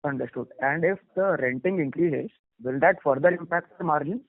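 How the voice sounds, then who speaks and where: A dry, muffled phone line carries a slightly high male voice. He sounds like an analyst on an earnings call, putting prepared questions politely and plainly. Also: moderate pace, no echo. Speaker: investment analyst asking questions.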